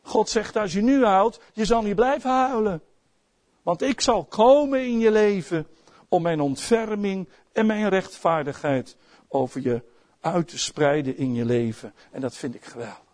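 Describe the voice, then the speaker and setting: A middle-aged man with a Dutch accent preaching a sermon as pastor, swinging between soft asides and loud outbursts. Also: high-pitched, measured pace.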